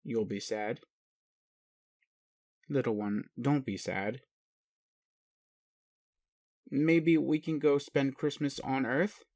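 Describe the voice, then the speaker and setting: A man playing a gentle, doting blue-skinned alien caretaker in a roleplay audio, rambling playfully and speaking tenderly to the listener. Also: mid-range voice. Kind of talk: soft roleplay monologue to a listener.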